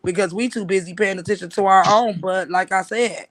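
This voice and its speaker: High-voiced man ranting on a livestream. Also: fairly even intonation, brisk, a bit bright. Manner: emphatic, profane, repeats "like I said". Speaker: livestream host. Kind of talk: casual livestream talk.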